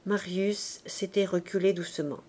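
A woman reading a classic novel aloud in a measured, unhurried narration. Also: mid-range voice, steady tone, warm tone. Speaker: audiobook reader. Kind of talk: audiobook narration.

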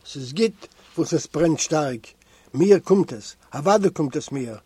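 A male reader gives voice to a young prisoner in a storybook, burning with fever and pleading weakly but urgently. The voice sits fairly high for a man and stays mellow. The sound is dry and close. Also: expressive, takes it slowly, husky, no echo, exaggerated voice. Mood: feverish.

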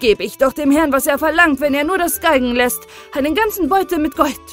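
A woman voicing a quarrelsome old peddler man with a goat beard in an audiobook fairy tale, lamenting and crying out loudly. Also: mid-range voice, moderate pace, soft background music, lightly acted. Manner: loud, lamenting outbursts.

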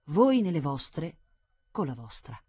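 A woman's voice: low voice, slow pace, husky, no echo, heavily acted. Woman reading as a stern, grave old man. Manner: calm and grave. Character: stern, dignified old man, head of family. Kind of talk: audiobook reading.

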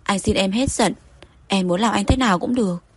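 A woman's voice: medium pitch, unhurried, no echo, lightly acted. Woman reading as a pleading young husband. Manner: soft wheedling pleading.

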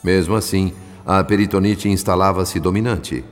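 A man narrating a radio drama in the role of a solemn spirit witness, in measured, literary phrasing. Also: deep voice, fairly even intonation, natural voice. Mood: grave, compassionate. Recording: long hall reverb, faint music behind.

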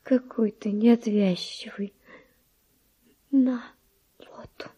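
An actress playing an anguished, wavering, tender woman in a radio verse drama, breathy and often dropping to a whisper. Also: a little high, fairly even intonation, extremely slow, warm tone, muffled recording, heavily acted. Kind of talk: classic Russian radio drama acting of verse.

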